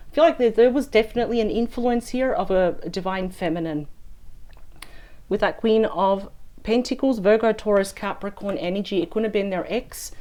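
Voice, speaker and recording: Husky-voiced woman reading tarot cards. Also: mid-range voice, warm tone. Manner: chatty and thinking aloud, often adds "right?". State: husky, weak voice from a sore throat. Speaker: tarot reader. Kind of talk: weekly tarot card reading.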